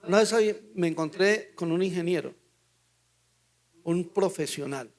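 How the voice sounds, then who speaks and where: An older man with a Colombian Spanish accent, a pastor teaching a Bible study through lively anecdotes with acted-out dialogue. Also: high-pitched, a little slow. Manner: storytelling, acts out dialogue in quotes.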